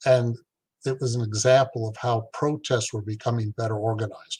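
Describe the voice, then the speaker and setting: The speaker has an American accent and a somewhat breathy voice, moving at a moderate pace. Intonation stays fairly even, and the sound is dry and close with no echo. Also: man. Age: 60s. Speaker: spiritist lecturer. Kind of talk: lecture. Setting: virtual event.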